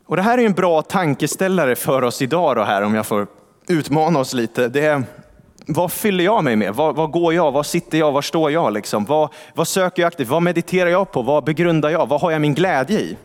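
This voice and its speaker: A male pastor giving a sermon in a church, with a conversational style, asking rhetorical questions and reading scripture slowly. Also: a little high, animated. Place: large church hall. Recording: long church reverb.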